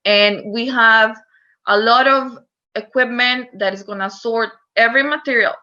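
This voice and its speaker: A woman's voice: a little high, steady tone, unhurried, bright, forceful tone, muffled recording. A woman from Costa Rica with a Costa Rican Spanish accent, giving an earnest online talk on recycling with frequent fillers. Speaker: recycling educator. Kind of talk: online presentation.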